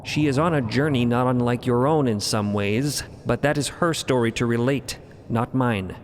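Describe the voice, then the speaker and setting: Guy doing a stern calm monk mentor for a fiction podcast, very precise wording, noisy ambience. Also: mid-range voice, in a large hall, lightly acted. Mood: calm, admonishing. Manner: formal, measured, precise. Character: calm, stern male mentor of a religious order. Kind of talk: audio fiction dialogue.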